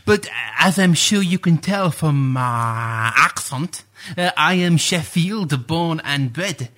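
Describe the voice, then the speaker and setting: A man's voice: a little high, lively intonation, takes it slowly, bright, forceful tone, exaggerated voice. A man playing a pompous, flustered playwright guest, who hesitates and stammers through a comedy radio sketch. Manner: hesitant, full of "uh"s, stammers, grandiose phrasing.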